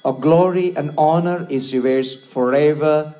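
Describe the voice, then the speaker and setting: A middle-aged man, a priest, reciting solemn Mass prayers in measured, deliberate phrases. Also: a little high, dark tone, soft background music. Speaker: Catholic priest celebrating Mass. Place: small chapel, indoors at altar. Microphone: microphone on stand at altar.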